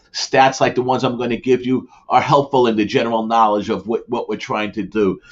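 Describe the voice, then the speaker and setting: A man talks at a fairly quick pace with a New York accent. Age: 60s. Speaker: sports betting show host. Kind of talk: casual monologue. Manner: halting, many fillers.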